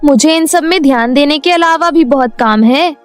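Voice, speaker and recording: A woman voicing a gentle, studious and meek teenage girl in a storybook cartoon, soft-spoken and pleading. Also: high voice, moderate pace, soft background music, natural voice.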